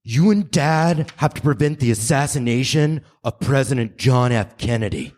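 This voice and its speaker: A man's voice: mid-range voice, animated, moderate pace, darkish tone, lightly acted. A man playing an earnest, urgent grown son from the future in a staged radio play parody, declamatory in his explanations. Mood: earnest explaining.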